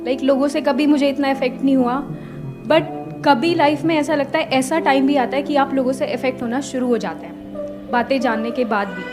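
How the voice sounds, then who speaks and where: Earnest high-voiced young woman asking. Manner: earnest, mixes Hindi and English. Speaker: audience member asking a question. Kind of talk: earnest question.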